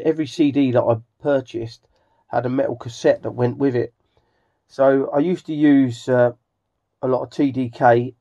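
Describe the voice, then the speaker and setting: A middle-aged man with an English accent gives a casual, rambling vlog narration in a halting, hesitant manner. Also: medium pitch, mellow. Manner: halting, hesitant, with frequent throat clearing. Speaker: hobbyist video host. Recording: slightly dull home recording.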